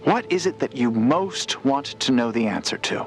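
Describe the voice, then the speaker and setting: An actor playing a supportive journalist in an audio drama, interviewing in a polite, admiring, slightly hesitant way. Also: male voice, mid-range voice, expressive, moderate pace, a little hiss or hum, lightly acted. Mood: thoughtful.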